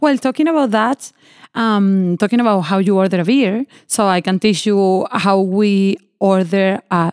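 A woman at medium pitch talks at a fairly slow pace with ordinary pitch variation and very even loudness, the sound dry and close with no echo. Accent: Venezuelan. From Venezuela. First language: Spanish. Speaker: podcast host. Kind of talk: casual interview in Spanglish. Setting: studio.

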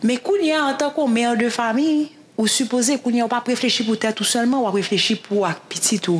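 Delivered at a fairly quick pace with very even loudness, the speech has ordinary pitch variation over noticeable background noise. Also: woman, high pitch for a woman. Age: 30s. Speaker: finance graduate, businesswoman. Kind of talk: casual chat.

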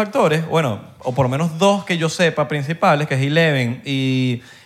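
A man speaks with a Venezuelan accent, fairly high in pitch. His tone is animated. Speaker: podcast host. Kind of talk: casual chat. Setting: studio.

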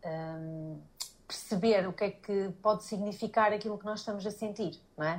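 This is an ordinary speaking voice from a woman at medium pitch. She talks at a moderate pace with fairly even intonation. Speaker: psychologist and family therapist. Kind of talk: conversational interview. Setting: Instagram live video call.

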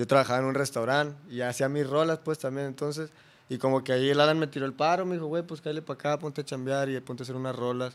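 A man's fairly high voice, very fast and monotone, with flat intonation. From Guadalajara, Mexico. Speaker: rapper. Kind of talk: casual chat.

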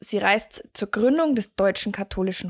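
A woman's medium-pitched voice with ordinary pitch variation, an ordinary speaking voice, in a very clean recording with a silent background and a dry, close sound with no echo. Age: 20s. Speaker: podcast host. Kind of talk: casual chat.

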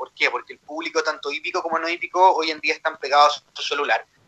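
Fairly quick in pace, a man speaks with a high pitch and fairly even intonation. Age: 30s. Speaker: racetrack marketing manager. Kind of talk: radio interview.

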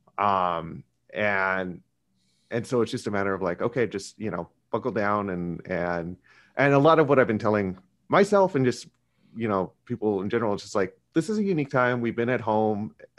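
A man with an American accent and a plain, everyday voice speaks at a fairly low pitch and a moderate pace, with ordinary pitch variation over a quiet background. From Tucson, Arizona. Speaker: iOS developer. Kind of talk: casual interview.

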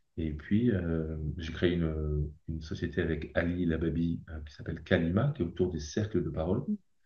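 This man's voice sits very deep and low. It is somewhat breathy. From Paris, France. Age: 40s. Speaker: coach and entrepreneur. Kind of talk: podcast interview. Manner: halting.

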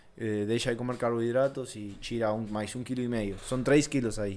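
With an Argentine accent, the speaker keeps a fairly slow pace and fairly even intonation. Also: man. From Argentina, La Plata. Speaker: MMA fighter. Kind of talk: casual chat. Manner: mixes Spanish and Portuguese.

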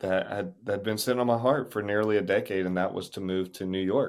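A man at fairly low pitch with ordinary pitch variation, in a very clean recording with a silent background. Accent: Louisiana. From US South, Louisiana (Moss Bluff). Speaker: pastor. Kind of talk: casual interview.

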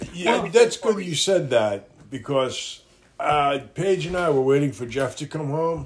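A man speaks with an American accent at a fairly slow pace. Noticeable background noise sits under the recording. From Long Island, New York. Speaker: paranormal podcast co-host. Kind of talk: casual chat.

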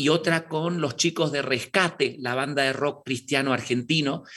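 In a very clean recording with a silent background, a man with an ordinary speaking voice talks fairly slowly at a fairly high pitch. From Argentina. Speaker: music industry professional and church youth leader. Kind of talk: casual interview.

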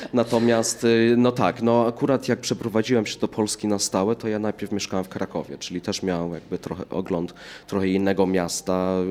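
In a very clean recording with a silent background, a man with a normal speaking voice talks at a fairly quick pace, his fairly low pitch kept in fairly even intonation. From England. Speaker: radio journalist and voice-over artist. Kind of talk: casual interview.

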